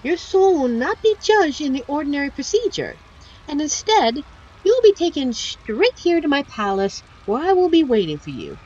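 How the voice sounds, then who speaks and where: A woman's voice: high voice, sing-song, normal speed, a little mellow, dull audio. A woman voicing a seductive, teasing female demon in a scripted ASMR roleplay, speaking with a coy, condescending, theatrical manner. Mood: coaxing, businesslike.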